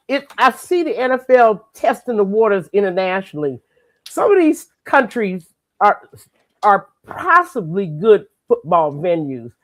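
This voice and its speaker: Lively opinionated woman talking football. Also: mid-range voice. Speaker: segment guest commentator. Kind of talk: casual sports chat.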